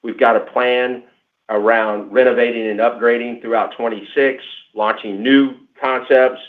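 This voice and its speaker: A man answering analyst questions on an earnings call, measured and emphatic, pausing and restarting as he talks. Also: medium pitch, fairly even intonation. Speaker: company executive answering analysts. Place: conference call line. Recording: tinny phone line.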